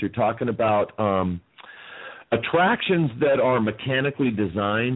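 An American accent marks this man's speech, which has a medium pitch, lively intonation and a normal speaking voice. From Las Vegas, US. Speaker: theme park maintenance technician. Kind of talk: casual chat.

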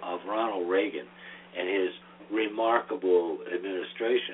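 Over noticeable background noise, a man talks at a fairly slow pace. His intonation is lively. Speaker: radio host. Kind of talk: casual interview chat. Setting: internet radio show, remote call. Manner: opinionated, halting, talkative.

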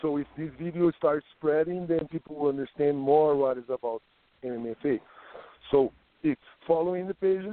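A man with a Brazilian accent speaks at a fairly high pitch. His pace is moderate. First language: Portuguese. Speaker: fighters' rights advocate. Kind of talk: casual interview. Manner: halting.

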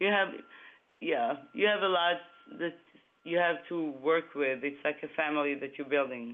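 A man with an Israeli accent speaks at a moderate pace and fairly high pitch, with ordinary pitch variation. Long, frequent pauses break up his speech. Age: 20s. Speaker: actress and model. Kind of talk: casual interview chat. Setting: phone call.

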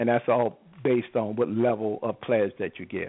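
Monotone, flat intonation and a fairly slow pace mark this voice with a New Orleans accent. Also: man. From New Orleans, Upper Ninth Ward. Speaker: documentary producer and genealogist. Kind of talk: interview.

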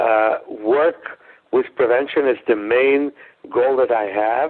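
A man at a very slow pace, intonation fairly even. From Israel. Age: 60s. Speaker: self-healing therapist and author. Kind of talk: casual interview. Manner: halting, hesitant with fillers.

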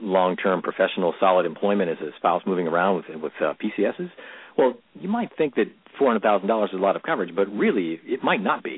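A man with an unremarkable speaking voice and a fairly low pitch. He talks at a fairly quick pace with ordinary pitch variation. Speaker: financial planning expert. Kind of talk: interview.

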